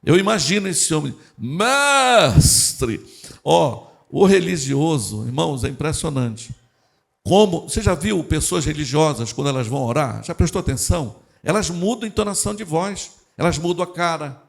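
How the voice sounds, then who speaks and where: Male pastor, church sermon, animated delivery, gravelly voice, fairly high. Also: fairly quick. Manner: animated preaching, addresses the congregation directly.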